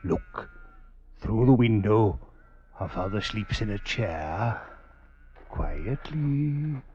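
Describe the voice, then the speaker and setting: Very slow, hushed gypsy thief. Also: male voice, fairly low pitch, expressive. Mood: furtive. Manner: hushed, drawn-out delivery. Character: hushed, furtive male gypsy fortune-teller and thief. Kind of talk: old-time radio drama acting. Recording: dull old radio recording with music.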